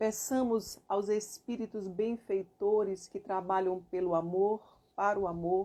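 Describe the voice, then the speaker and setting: Speaking at a fairly slow pace, a woman uses a medium pitch and a dark, mellow tone with fairly even intonation. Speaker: spiritist lecturer. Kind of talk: lecture; guided prayer. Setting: online live stream. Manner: soft-spoken.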